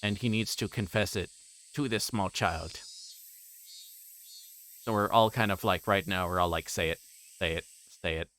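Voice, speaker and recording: A man hosting a livestream, chatting casually in a halting, rambling way and often repeating words as he plays a game. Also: sits low, a bit bright, slight background noise. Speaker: livestream host. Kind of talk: casual livestream chat while playing a visual novel.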